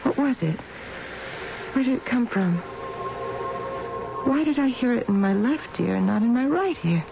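An actress playing a bedridden woman in a trance, musing to herself in halting, wondering phrases in a radio drama. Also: a little high, expressive, gravelly. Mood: musing, puzzled. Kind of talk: radio drama interior monologue. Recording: dull, noisy vintage radio broadcast.

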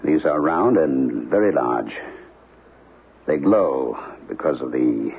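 Very deep, haunted professor husband. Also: male voice, lively intonation, creaky, breathy edge, heavily acted. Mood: brooding, haunted. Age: middle-aged. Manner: halting, brooding, portentous. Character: troubled middle-aged professor husband, haunted by an otherworldly dread. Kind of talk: 1970s radio drama acting. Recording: narrow-band, hissy old radio broadcast.

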